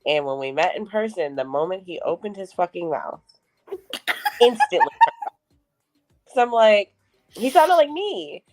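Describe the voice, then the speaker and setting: A woman co-hosting a podcast in casual chat, candid and laughing easily, with a low voice she says is deep for a woman. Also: very animated, unhurried, long pauses, darkish tone. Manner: candid, swears freely, laughs often. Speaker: podcast co-host.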